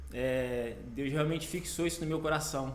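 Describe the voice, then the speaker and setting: With fairly even intonation and a medium pitch, a man talks as audible room echo rings around him. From Rio de Janeiro state, Brazil (Teresópolis). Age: 20s. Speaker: missionary. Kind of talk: interview.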